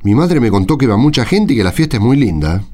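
A man's voice: mid-range voice, very animated, fast, darkish tone, lightly acted. A man with an Argentine accent playing a friendly, curious husband in a radio drama. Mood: cheerful. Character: friendly, curious husband planning a family road trip.

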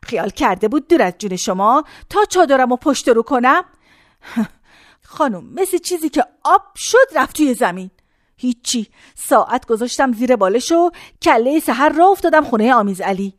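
A frail, very old woman played by an actress rambles in a high, thin voice, drifting from complaints to faraway memories in a folksy, wandering way. The sound is close and dry, as in a radio play. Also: sing-song, dry recording. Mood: reminiscing. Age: older. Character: very old woman in a care home, rambling and pained.

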